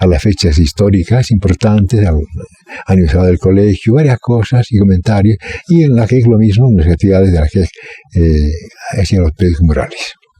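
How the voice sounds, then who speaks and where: Fairly quick speech with ordinary pitch variation and very even loudness, dry and close with no echo, over noticeable background noise. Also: man, fairly low pitch for a man. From Bolivia, Cochabamba. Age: 70s. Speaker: journalist. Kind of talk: interview. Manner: halting.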